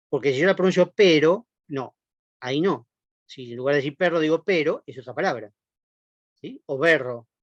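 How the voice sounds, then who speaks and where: A man's voice: mid-range voice, dry recording. A man giving a university class lecture, explaining patiently and often checking in with his listeners through tag questions and "eh" fillers. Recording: dull lo-fi, dry recording.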